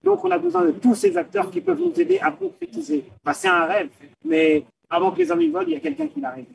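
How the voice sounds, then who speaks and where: Earnest man explaining, gravelly, distant mic. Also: very high voice, very animated, quick pace. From France. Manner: earnest, lists ideas in long runs. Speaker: guest entrepreneur. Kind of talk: interview answers. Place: small booth with padded walls.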